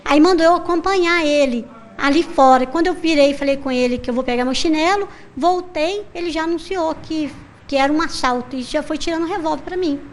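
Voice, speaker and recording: Woman, Brazilian accent, news interview, agitated account, high voice, faint ambient noise. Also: a little fast. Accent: Brazilian Portuguese. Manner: agitated retelling with fillers. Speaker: crime victim, shop owner.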